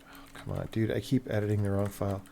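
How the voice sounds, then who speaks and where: A man's voice: on the low side, fairly even intonation, fast talker, gravelly, warm tone, slight background noise. A man live-streaming game development, thinking aloud casually and muttering to himself in short fragments.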